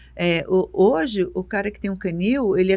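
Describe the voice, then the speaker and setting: A woman speaks with ordinary pitch variation. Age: 60s. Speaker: animal rescuer. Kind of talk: podcast interview. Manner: animated.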